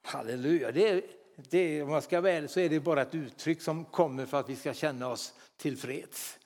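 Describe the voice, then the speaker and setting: Preaching man, fairly high voice, fervent, hallelujahs and whispered asides; long church-hall reverb. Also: darkish tone. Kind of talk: sermon.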